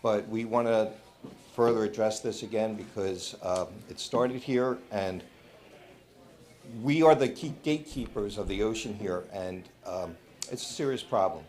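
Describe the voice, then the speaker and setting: Earnest man with a low voice presenting. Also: a little slow, a little mellow. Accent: New Jersey. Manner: earnest, many fillers. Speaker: environmental group volunteer. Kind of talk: public comment presentation.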